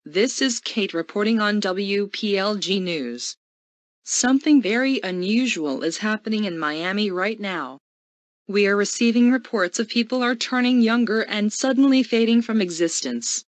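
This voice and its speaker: A woman's voice: mid-range voice, expressive, moderate pace, no echo, natural voice. A woman playing an earnest television news anchor delivering a scripted crisis bulletin. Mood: earnest, urgent. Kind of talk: scripted local TV newscast.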